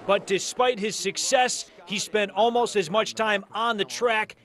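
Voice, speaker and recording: Male American sportscaster, high-register voice, emphatic read of scripted local sports news. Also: unhurried, a bit bright. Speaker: TV sports anchor.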